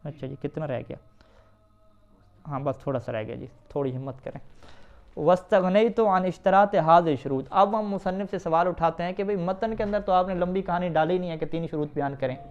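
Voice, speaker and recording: A man teaching Arabic grammar to students, asking them questions and answering them himself, reading Arabic quickly and then explaining it. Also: high-pitched, faint music behind. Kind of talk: classroom lesson reading and explaining an Arabic text. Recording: dull, lo-fi recording.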